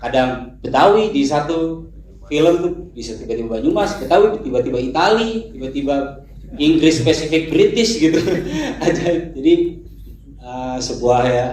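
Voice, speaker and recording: A man's voice: medium pitch, expressive, measured pace, darkish tone. A man who voices a cartoon character, speaking gratefully and chattily at a press conference. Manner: grateful, chatty, laughs between points. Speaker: voice actor for the film. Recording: echoey hall.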